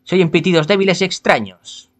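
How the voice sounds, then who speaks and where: A man's voice: high-pitched, brisk, a bit bright. A man from reads a visual novel aloud, adding casual, wry commentary as he goes. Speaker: gaming streamer.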